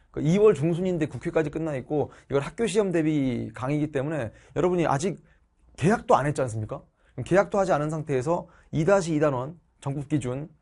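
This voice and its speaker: A middle-aged social studies teacher chats casually online with his students, addressing viewers as his class while he recovers from a cold. His voice is a little high and a little mellow.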